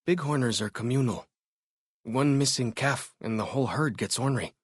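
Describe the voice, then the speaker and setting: A young tribal scout from a video game, played by a man, with a medium-pitched, slightly husky voice. He is eager, curious and friendly, talking in simple, informal phrases. The recording is dry and close. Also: normal speed, no echo, natural voice. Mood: informative, friendly. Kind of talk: video game character dialogue.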